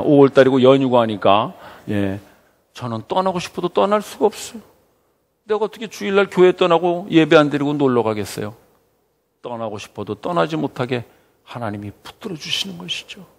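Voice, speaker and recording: A man preaching a Sunday sermon as pastor, asking his congregation questions and answering them, dropping to near-whispers and rising to shouts. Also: high voice, creaky, big-room sound. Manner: swings from soft near-whispers to loud shouted exclamations. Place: church sanctuary.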